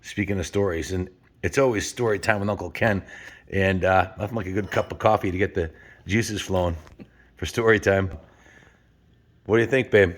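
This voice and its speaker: A man with a fairly low-pitched voice hosts a casual story time. He is folksy and enthusiastic, talking directly to his audience whether chatting or reading aloud. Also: fairly even intonation, normal speed, long pauses. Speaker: host of a story time show.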